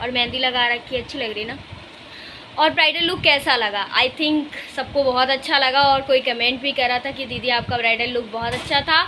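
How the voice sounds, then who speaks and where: Over noticeable background noise, a woman talks at a moderate pace in a high pitch with fairly even intonation. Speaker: vlogger. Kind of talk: casual vlog monologue. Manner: blunt, assertive.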